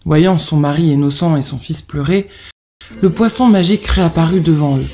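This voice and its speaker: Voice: medium pitch, moderate pace, mellow, soft background music. A narrator reading a scripted children's fairy tale.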